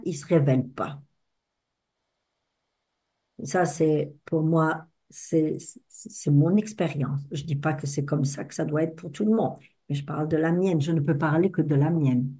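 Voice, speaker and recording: An older woman giving a personal testimony to an audience, telling stories expressively and acting out the dialogue. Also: low-pitched. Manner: expressive storyteller who acts out the dialogue. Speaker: speaker at a talk with audience discussion.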